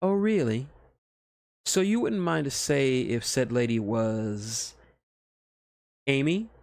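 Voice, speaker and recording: A gentle young princess from a fan story, read by a man. She is caring, earnest and a little proper, with a teasing streak, pitched somewhat higher in a dry recording. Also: lively intonation, takes it slowly, gravelly, no echo. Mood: playful, curious.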